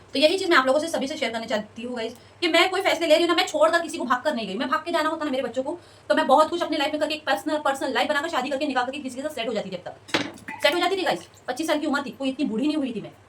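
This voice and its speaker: A high-pitched woman with ordinary pitch variation, against noticeable background noise. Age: 30s. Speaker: family vlogger, single mother. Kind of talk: emotional personal vlog monologue.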